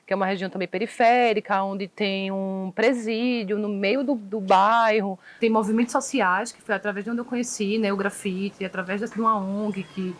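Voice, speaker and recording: A woman's voice: mid-range voice, fairly even intonation, normal speed. A young adult woman from the Recife area with a Pernambuco accent, answering interview questions thoughtfully with frequent restarts. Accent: Pernambuco Portuguese. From Recife area, Brazil. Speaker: graffiti artist guest. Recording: faint background noise.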